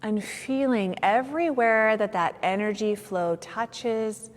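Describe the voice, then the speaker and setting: A woman guiding a meditation as a yoga nidra teacher, soothing and unhurried, with long pauses between phrases. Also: medium pitch. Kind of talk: guided meditation. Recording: long reverberant hall-like echo.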